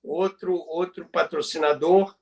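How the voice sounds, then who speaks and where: A man's voice: fairly high pitch, fairly even intonation, unhurried. A Brazilian man presenting in an informal lecture style, explaining didactically and repeating phrases for emphasis. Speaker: presenter explaining radio history.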